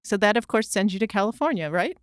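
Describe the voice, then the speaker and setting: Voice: medium pitch, expressive, quick pace, clear, resonant tone, no room sound, studio quality. A podcast host leading a conversational interview in a friendly way, with playful asides to listeners.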